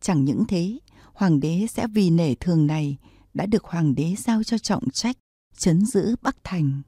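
A scheming court official sweet-talks with a smug, wheedling tone, as a woman narrator reads his lines. The voice sits low and mellow with a husky grain. It is recorded close and dry, with no room around it. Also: expressive, measured pace, no room sound, exaggerated voice.

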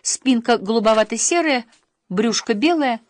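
A woman reading an audiobook aloud, telling a first-person travel story in an expressive storytelling manner. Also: a little high, moderate pace, no echo. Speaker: audiobook narrator. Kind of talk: scripted audiobook narration.

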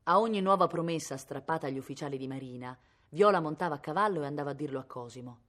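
A woman's voice: deep voice, fast, a bit bright. A woman from Italy reading a novel aloud expressively, her voice rising with the drama. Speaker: reader.

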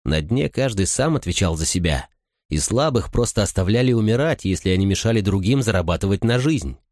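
A male narrator with a very deep, low voice reads an audiobook at a steady, measured pace. The recording is dry and close, with no room sound. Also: dry recording. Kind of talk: scripted narration.

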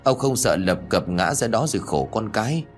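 A man voicing an exasperated elderly village wife who scolds her forgetful husband in rapid bursts of complaint. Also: on the low side, sing-song, faint music behind. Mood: reproachful. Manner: nagging, rapid-fire complaining.

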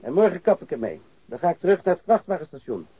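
An actor playing a gruff, insolent working man in a radio drama, blunt, coarse and impatient. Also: high voice, very animated, fast, dry recording, heavily acted. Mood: scornful, impatient. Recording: muffled lo-fi radio drama recording.

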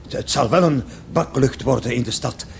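An actor playing an eager, flustered and deferential police constable in a radio play, hesitant and officious. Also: male voice, medium pitch, normal speed, vocal fry, natural voice. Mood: flustered, chatty. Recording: noisy old radio play recording.

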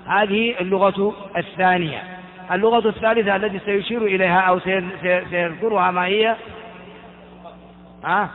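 A man teaching a grammar lesson slowly and deliberately, putting questions to his class and answering them himself. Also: sits high. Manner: slow and deliberate, repeating key terms. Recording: tinny phone-like audio in a reverberant hall.

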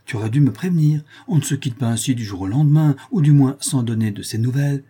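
A man's voice: mid-range voice, fast, husky, close to an everyday voice. A man reading an audiobook aloud, voicing a cheerful, talkative young Parisian seamstress. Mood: chatty. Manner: lively, affectionate, talkative.

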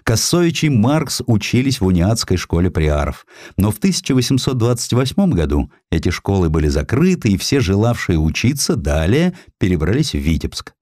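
Deep-voiced, very expressive male narrator. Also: normal speed, no echo, clean studio sound. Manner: expressive, theatrical. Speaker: audiobook narrator. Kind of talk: dramatic scripted narration of historical stories.

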